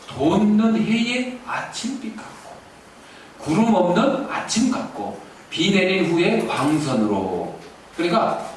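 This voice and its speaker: Male pastor, lively storytelling sermon, distant mic, faint hiss. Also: on the high side, very echoey. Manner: animated storytelling preacher. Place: church sanctuary.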